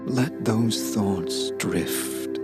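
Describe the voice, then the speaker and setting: A man playing a silky, sinister storyteller, narrating a hypnotic dark fairy tale with theatrical, lingering words. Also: fairly low pitch, extremely slow, over loud music. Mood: hushed, ominous. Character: sinister, silky storyteller lulling a traveler to sleep. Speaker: bedtime storyteller.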